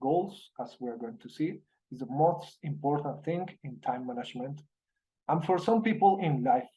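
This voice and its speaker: A man with a Colombian Spanish accent, a native Spanish speaker giving an online university lecture in English over a video call, halting with many fillers and restarts. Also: medium pitch, animated, mellow, rough recording. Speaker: university professor.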